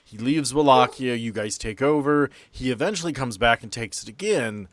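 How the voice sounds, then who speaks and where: A man's voice: medium pitch, lively intonation, moderate pace, fairly bright tone. A man hosting a podcast, explaining and prompting in casual conversation. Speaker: podcast host.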